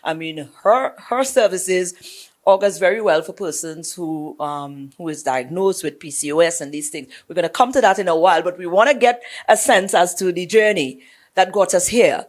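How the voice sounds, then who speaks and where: A woman's voice: on the low side, normal speed. A woman from Saint Lucia hosting a morning show, chatty and prompting her guests along. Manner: chatty, encouraging, warmly prompting. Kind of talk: conversational TV interview.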